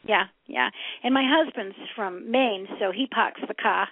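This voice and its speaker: A middle-aged woman from upstate New York giving a live psychic reading on a call-in show, halting as she thinks aloud and addressing callers with familiar endearments. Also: medium pitch, husky, no echo. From upstate New York, United States. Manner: familiar, calls callers hon and sweetie. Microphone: telephone. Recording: narrow, tinny phone-line sound.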